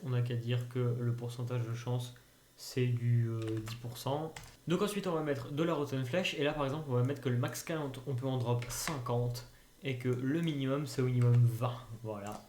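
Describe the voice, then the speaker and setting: A man's voice: medium pitch, steady tone, moderate pace, darkish tone, a little hiss or hum. A man giving a casual screen-recorded tutorial, thinking aloud with frequent hesitations and fillers. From France. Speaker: tutorial youtuber. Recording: roomy home recording.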